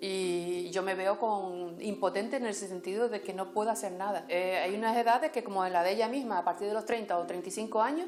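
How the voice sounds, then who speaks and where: At a fairly quick pace, a woman speaks with hardly any pauses, medium pitch and ordinary pitch variation. Noticeable background noise sits behind her. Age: 60s. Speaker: interviewee, unemployed mother. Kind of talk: interview. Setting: at her home.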